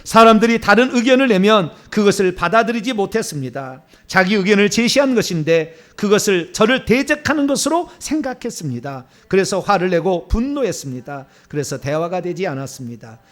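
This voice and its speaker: A middle-aged male pastor who preaches and leads a repentance prayer with fervent, declamatory force. His voice sits high for a man. It swings widely in pitch as he pushes each confession and vow. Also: lively intonation, brisk, few pauses. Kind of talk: sermon and led repentance prayer.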